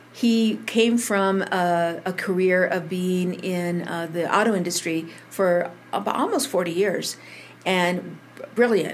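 At a very slow pace, a woman talks at a medium pitch with ordinary pitch variation over noticeable background noise. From New Mexico, US. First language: Spanish. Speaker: farmer and community leader. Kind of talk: interview, storytelling.

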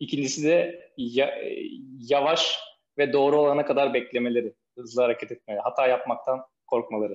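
At a moderate pace and with fairly even intonation, the speaker has a plain, everyday voice. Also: man, fairly high pitch for a man. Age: 20s. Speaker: startup co-founder. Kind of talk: casual interview.

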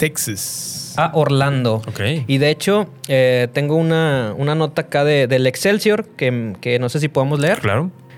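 Over music in the background, the speaker goes at a fairly slow pace with hardly any pauses. The intonation is lively and the loudness very even. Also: man, fairly high pitch for a man. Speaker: podcast co-host. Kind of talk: reading aloud. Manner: halting, stumbles while reading.

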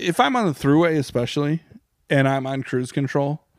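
A man talks at a fairly quick pace and a fairly high pitch, with ordinary pitch variation and a plain, everyday voice. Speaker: co-host. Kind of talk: casual chat.

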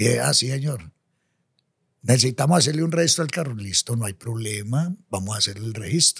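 The speech is lively in intonation, somewhat breathy, and fairly quick in pace. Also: man, medium pitch for a man. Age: 60s. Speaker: former prisoner, cargo transporter. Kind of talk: testimony in interview.

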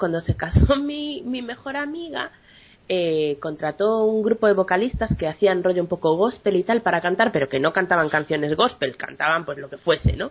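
A woman speaks at a fairly quick pace in an animated tone, her medium pitch swinging very widely. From Ferrol, Galicia, Spain. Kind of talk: casual chat.

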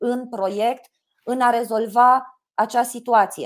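Recorded very cleanly against a silent background, a normal speaking voice carries fairly even intonation. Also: woman. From Romania, Sibiu area. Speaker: trainer and cultural manager. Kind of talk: casual interview chat.

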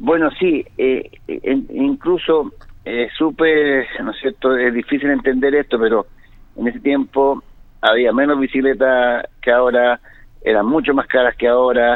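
A man with an unremarkable speaking voice talks at a fairly slow pace. His pitch is fairly high and his loudness very even. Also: ordinary pitch variation. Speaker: former cyclist and local politician. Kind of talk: interview.

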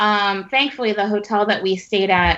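A plain, everyday voice moves along at a moderate pace. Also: woman. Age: 20s. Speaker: realtor and traveler. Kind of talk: casual interview. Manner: casual, chatty.

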